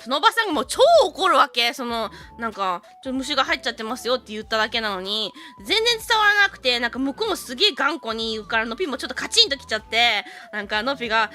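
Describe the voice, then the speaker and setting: Woman livestream host, native English speaker, high-pitched and bright, animated bilingual chat. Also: fast, hardly any pauses, faint music behind. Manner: animated storytelling, switching between Japanese and English. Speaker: VTuber streamer.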